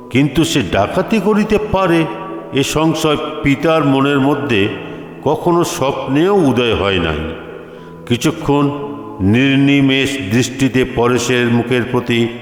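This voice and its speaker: A man narrating a literary story dramatically, in measured phrases with pauses between them. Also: medium pitch, slight background noise. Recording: echoey hall with long reverb. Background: faint music.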